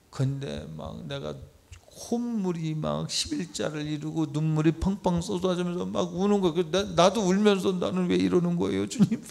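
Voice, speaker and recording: A male pastor preaching a midweek church sermon in a conversational way. He swings between loud exhortation and soft asides, acts out quoted speech and asks the congregation questions. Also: sits high, gravelly. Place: church service.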